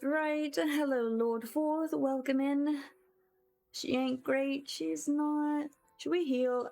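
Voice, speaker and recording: A woman livestreams a game with casual commentary. Her voice sits fairly high and she takes her time, musing softly and hesitantly to her viewers over faint background music.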